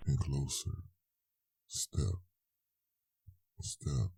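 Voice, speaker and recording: Male horror narrator: very deep and dark, slow, suspenseful delivery of a scripted tale. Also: gravelly, husky. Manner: deliberate, suspenseful. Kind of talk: scripted dramatic narration of a scary story.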